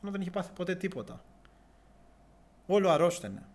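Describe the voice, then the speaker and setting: Earnest young man, slightly high voice, halting faith testimony. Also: very animated. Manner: earnest, halting, with restarts and long pauses. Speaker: giving a religious testimony. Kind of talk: personal testimony, storytelling.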